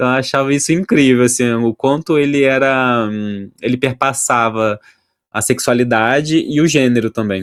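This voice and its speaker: A man with a normal speaking voice talks at a medium pitch with ordinary pitch variation. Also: moderate pace. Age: 30s. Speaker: gamer and engineer, podcast guest. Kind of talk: casual interview.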